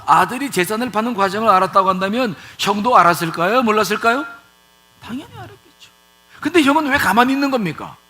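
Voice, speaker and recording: A man's voice: high voice, pushed and bright. A male pastor preaching a sermon in a church, asking rhetorical questions and repeating points for emphasis. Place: church sanctuary.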